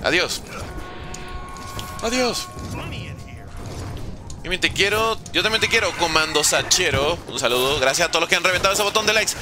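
A man's voice: fairly high pitch, fast, few pauses, over music. A man streaming live gameplay, commenting and joking playfully with chat while using Mexican slang. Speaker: gaming streamer.

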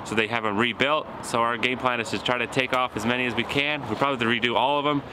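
A man's voice: mid-range voice, fairly even intonation, fast. A man in his thirties, casually talking through a repair job outdoors, thinking aloud as he works. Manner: easygoing, thinking aloud while working. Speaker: shop mechanic host. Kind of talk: casual how-to narration. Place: outdoor junkyard. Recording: outdoor noise behind.

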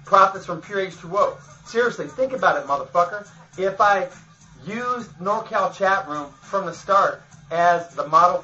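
Boastful man ranting profanely to camera, slightly high, raspy voice, muffled lo-fi sound. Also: sharp tone. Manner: profane, boastful, laughs between phrases. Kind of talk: rambling rant to camera.

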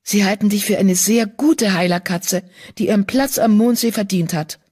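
A woman voicing a calm, kind young female medicine cat in an audiobook, speaking softly and reassuringly. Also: medium pitch, normal speed, husky, voice pushed up, close to an everyday voice. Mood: soothing. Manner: soft, soothing, reassuring. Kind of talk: audiobook character voice.

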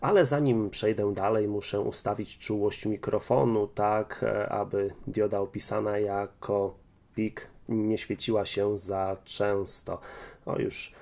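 A man's voice: lowish voice, fairly even intonation, creaky, darkish tone. A man demonstrating and reviewing a piece of gear in a casual, explanatory way. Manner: explanatory, measured. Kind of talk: casual product demo.

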